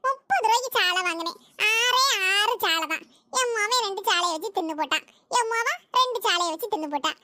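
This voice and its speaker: A very high, squeaky cartoon housewife, voiced by a woman, gabbing in quick bursts. She is nosy and exclaims at every bit of news. The sound is close and dry. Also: animated, sharp tone, no room sound, full character voice. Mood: chatty. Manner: quick, exclaiming village gossip. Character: gossip-loving housewife, idle and fussy. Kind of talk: cartoon comedy voice acting.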